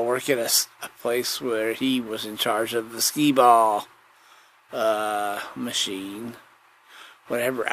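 Slow-talking man rambling, noisy recording. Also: mid-range voice, fairly bright tone. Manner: repeats phrases. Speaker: podcast host. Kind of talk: rambling comic monologue. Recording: noticeable background noise.

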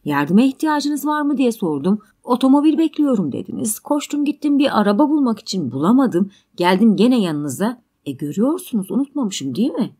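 A woman voicing a calm, middle-aged man at home who explains things in a measured, mildly sardonic way. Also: a little high. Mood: reasoning, calm.

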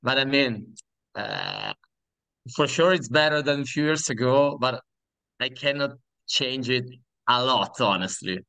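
A man's voice: medium pitch, big pitch swings, a little slow, gravelly, bright, forceful tone. A man in his thirties speaks with a strong Italian accent, his voice recorded close and dry through a webcam with no room echo. He talks frankly and with emphasis, pressing his points in a casual chat. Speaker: guest musician. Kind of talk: casual video-call interview. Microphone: laptop webcam on video call.

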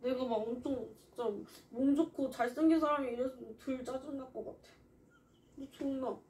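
A woman's voice: sits high, normal speed, darkish tone, far from the mic. A woman co-hosting a live stream, complaining in a sulky, tearful voice. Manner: sulky, complaining, voice breaking into tears. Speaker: streamer co-host. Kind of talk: casual chat on a live stream.

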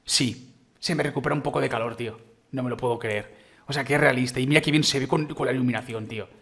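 Fast-talking excitable Spanish man gamer. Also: medium pitch, vocal fry, slightly rough. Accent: Spain Spanish. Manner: excitable, exclamatory, rambling. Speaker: gaming youtuber. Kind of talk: let's-play gameplay commentary.

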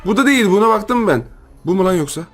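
A man doing a loud, exasperated let's-play commentary on a game as its host. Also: lively intonation, quick pace, faint music behind. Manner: loud, exasperated, jumps to high yells. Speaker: gaming YouTuber.

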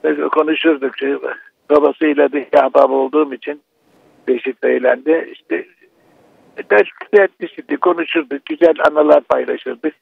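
A man calling in to a radio show over a phone line, speaking haltingly with many restarts as he grieves. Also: on the high side, fairly even intonation, vocal fry, dry recording. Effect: radio show caller on a phone line. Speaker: actor phoning in to a broadcast.

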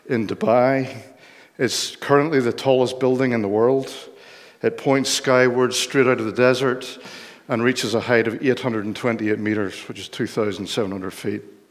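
Older male preacher, Northern Irish accent, explanatory sermon delivery, recorded in a hall with long reverb. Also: medium pitch. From Northern Ireland. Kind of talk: sermon with Bible reading. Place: church hall, speaking from lectern on stage.

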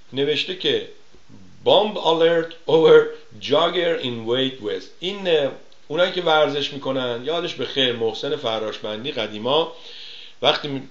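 A man's voice: mid-range voice, a bit bright. A man from Iran hosting a TV talk show, chatting casually and joking as he tells stories and mimics the people he quotes. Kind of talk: casual monologue on call-in TV. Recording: roomy, slightly dull studio sound.

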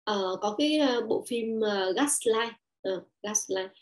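A woman's voice: on the high side, measured pace. A woman giving an online talk on parenting and relationships, hesitant and full of fillers, acting out quoted lines in a raised voice.

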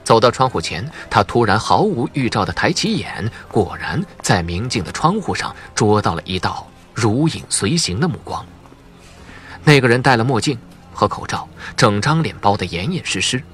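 A man's voice: on the low side, fairly bright tone. A man narrating a suspense novel as a dramatic scripted audiobook. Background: faint music.

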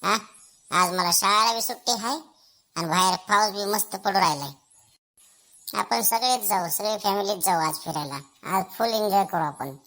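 A woman's voice: mid-range voice, normal speed, sharp tone, low-quality recording. A woman voicing a cheeky, greedy young village boy in a comedy cartoon, with a rural Maharashtrian accent and a brash, teasing way of talking. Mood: eager. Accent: rural Maharashtrian Marathi. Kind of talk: Marathi comedy cartoon dialogue.

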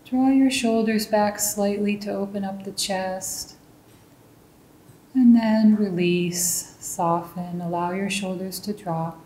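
A woman leading a guided meditation as a teacher, giving calm, gentle instructions. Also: slow. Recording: roomy echo, faint low rumbling noise.

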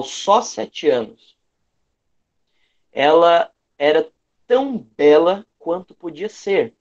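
Male Brazilian teacher, didactic read-and-explain delivery, fairly high pitch, dull lo-fi video-call sound. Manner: didactic, repeats phrases for emphasis. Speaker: English teacher. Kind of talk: online lesson, reading aloud and explaining a fairy tale. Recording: dull, lo-fi online call audio.

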